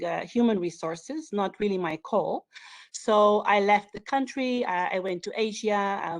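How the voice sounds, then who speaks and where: A woman from Portugal, speaking as a hiring manager in a webinar over a video call, with many fillers and restarts. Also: mid-range voice. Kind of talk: webinar presentation.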